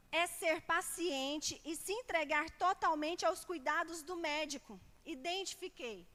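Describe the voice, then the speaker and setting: A woman preaching a sermon, telling a parable with lively storytelling and acted quotes. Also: high voice, long reverb tail.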